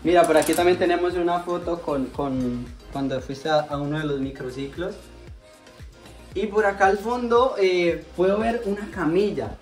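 A man's voice: high voice, moderate pace, darkish tone. A young man, hosting a chatty, joking house tour and interview inside a family home. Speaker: host. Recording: roomy indoor sound from a distance, light music behind.

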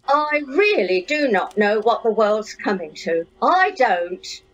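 A woman's voice: on the high side, sing-song, slow, fairly bright tone, lo-fi sound, exaggerated voice. A woman playing a haughty, disapproving, mature stepmother in an audio pantomime.

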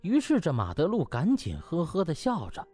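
Very animated male audiobook narrator. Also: fairly high pitch, normal speed, faint music behind. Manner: animated storytelling. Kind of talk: dramatised scripted narration of a comic novel.

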